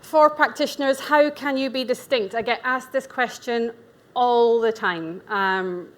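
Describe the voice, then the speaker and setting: At a measured pace and a slightly high pitch, a forties-aged nutrition practitioner with a Scottish accent addresses a conference crowd in an event venue. Originally from Scotland, she's frank and conversational, dropping in asides and poking fun at herself.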